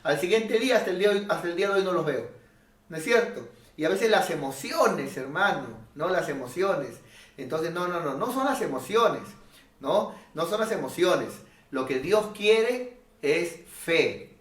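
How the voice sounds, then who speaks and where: A male pastor preaches, his pitch swinging widely as he drives points home with rhetorical questions. His voice sits a little high for a man. The recording is echoey and picked up from a distance. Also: moderate pace. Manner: animated, rhetorical, asks ¿no es cierto?. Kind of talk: sermon. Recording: echoey room, voice off-mic.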